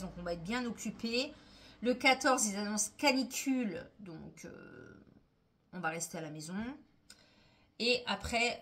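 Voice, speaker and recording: A woman's voice: medium pitch, a bit bright. A middle-aged woman chatting casually in a home vlog, rambling with many hesitations. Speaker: vlogger. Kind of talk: casual daily vlog chat. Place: at home indoors.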